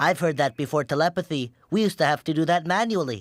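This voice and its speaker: A man rattles along very fast in a fairly high, cartoonish character voice. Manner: prim, erudite exclamations.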